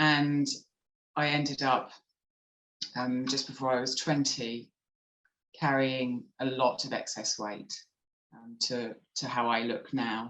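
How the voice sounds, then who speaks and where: A woman speaks very slowly with a British accent, her pitch very deep and low. Her intonation stays monotone and flat, with long, frequent pauses. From England. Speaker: podcast guest. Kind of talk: interview.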